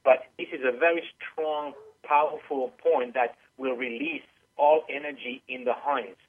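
A man's voice: a little high, expressive, measured pace, gravelly. A man who teaches animal massage, patiently explaining on a radio call-in interview with many small hesitations. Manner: patient, explanatory, with frequent uh fillers. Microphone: phone call. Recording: tinny phone line.

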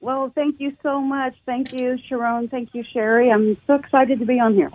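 A woman's voice: high voice, fairly even intonation, normal speed. A woman calling in to a talk show over the phone, hesitant and searching for words. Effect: heard over a phone line. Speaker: caller. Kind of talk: call-in radio chat. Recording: tinny phone line.

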